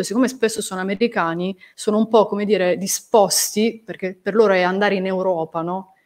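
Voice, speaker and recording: A woman's normal speaking voice at medium pitch and a moderate pace. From southern Italy, Apulia. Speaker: wedding photographer. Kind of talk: interview.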